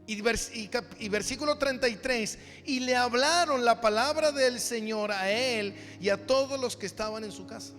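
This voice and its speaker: A man's voice: very high voice, moderate pace, hardly any pauses, a bit bright. A man preaching a sermon as a pastor, teaching from the Bible emphatically, repeating phrases and putting rhetorical questions to his listeners. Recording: echoey hall, music behind the voice.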